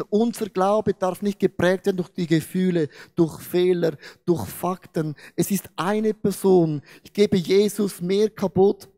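A man preaches from a large church stage, speaking into a handheld mic. His voice sits fairly high for a man. He acts out the story, turning loud and then suddenly hushed. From Switzerland. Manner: animated storytelling, swings between loud and hushed. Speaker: pastor. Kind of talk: sermon with acted-out story.

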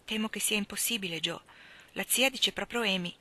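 Woman reading as a calm, gentle mother. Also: medium pitch, brisk. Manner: calm, soft-spoken. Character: gentle, patient mother of four girls.

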